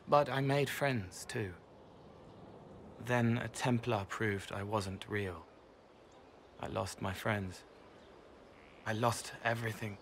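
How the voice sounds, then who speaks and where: Slow, haunted, gentle young spirit. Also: male voice, mid-range voice, a little hiss or hum. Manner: halting, fragmented, dreamlike phrases. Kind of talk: video game voice acting.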